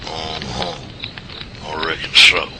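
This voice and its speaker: A man's voice: a bass voice, fairly even intonation, takes it slowly, over loud music. A man playing a folksy, grumbling old country man with a rural Southern US accent in an audio drama.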